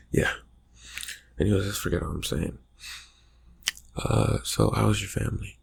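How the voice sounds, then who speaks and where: A man playing a brooding, distracted vampire friend in an ASMR roleplay, murmuring in halting, husky phrases that trail off. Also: heavily acted. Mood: casual, teasing. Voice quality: breathy, husky, gravelly low murmur. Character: brooding, distracted young male vampire friend, slyly teasing. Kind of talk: ASMR roleplay, improvised soft talk to the listener.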